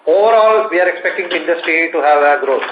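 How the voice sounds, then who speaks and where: A man with an Indian accent speaking as a company executive on an earnings call, in halting, hesitant phrases with repeated words. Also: a little high, animated, phone-quality sound. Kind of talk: earnings call remarks and answers to analysts. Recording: roomy, echoing conference call line.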